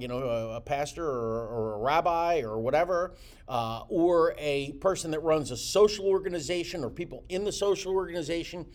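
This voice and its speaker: A man's voice: a little high, a little mellow. A man hosting a real estate coaching show, talking with energy, repeating words and using many fillers. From United States. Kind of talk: motivational teaching talk.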